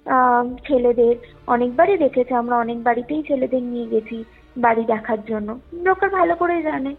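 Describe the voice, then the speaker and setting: A woman's voice: on the high side, moderate pace, slightly rough. A woman voicing an earnest, puzzled mother of two sons who answers plainly in a ghost story. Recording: muffled lo-fi call with music underneath.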